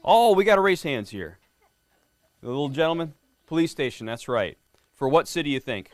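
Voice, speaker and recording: Reading a picture book to a schoolroom of kids, a middle-aged man who works as a police lieutenant sounds animated and on the high side, keeping a moderate pace. He stays friendly, keeps quizzing the children, and tosses in "right?" again and again.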